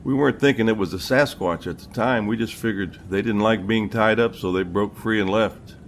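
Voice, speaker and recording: A man playing a seasoned old captain in an audio drama, telling his story in a steady, folksy, unhurried way. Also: lowish voice, a little hiss or hum, close to an everyday voice. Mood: reflective. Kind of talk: audio drama narration and dialogue.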